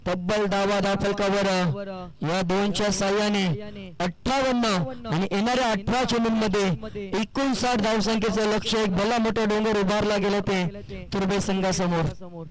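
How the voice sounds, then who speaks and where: High-pitched man calling cricket. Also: steady tone, normal speed, poor audio. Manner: addresses players and crowd, calls for applause. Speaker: cricket commentator and match announcer. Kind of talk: live local tournament commentary.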